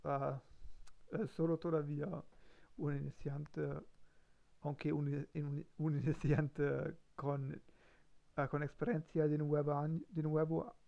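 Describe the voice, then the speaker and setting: A man practicing a language he is learning, talking haltingly with many restarts and self-corrections during a live-streamed lesson. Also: a little high, level tone, gravelly, mellow, highs cut off.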